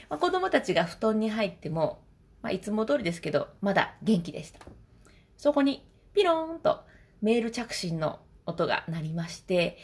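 Woman, 30s, mother-of-two diary chat, chatty with frequent laughs, very animated pitch. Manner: chatty, laughs often, acts out quotes. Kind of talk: casual spoken diary.

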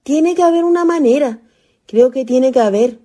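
A woman's voice: high voice, normal speed, mellow. A woman playing a lovestruck young ghost, a naive country girl with a Chilean accent and earnest colloquial speech, in a radio play. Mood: lovestruck, hopeful. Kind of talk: radio theatre acting.

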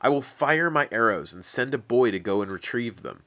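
A man's voice: mid-range voice, expressive, moderate pace, pushed and bright. A man voicing a loyal young prince who speaks earnestly and with emphasis.

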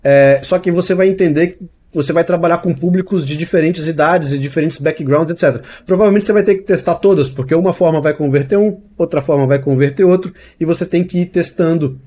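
Relaxed Brazilian-style chatty man, mellow tone. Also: fairly high pitch, quick pace. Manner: chatty, explains with examples, many "né?" tags. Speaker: acting teacher and course creator. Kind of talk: casual podcast interview.

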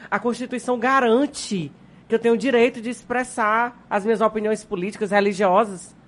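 A woman's voice: a little high, brisk. An outspoken woman from Piauí in Brazil with a Piauí accent, chatting as a podcast guest and acting out voices in her stories. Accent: Piauí Brazilian Portuguese. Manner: outspoken, expressive, mimics voices when telling stories. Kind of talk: casual podcast chat.

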